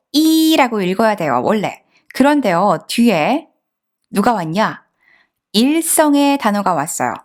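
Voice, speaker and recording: Patient woman teaching Chinese tones. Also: on the high side. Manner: patient, explanatory, often asks the listener questions. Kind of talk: online language lesson.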